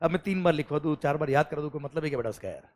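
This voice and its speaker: A man teaching a lecture in an animated, coaxing way, often calling the students "beta" and reading legal text slowly, word by word. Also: on the high side. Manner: animated, coaxing, mixes English phrases, calls students beta.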